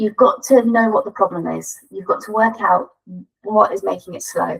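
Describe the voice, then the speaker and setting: This is a woman speaking. She has a British accent. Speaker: marketing agency owner. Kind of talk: webinar presentation. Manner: fast.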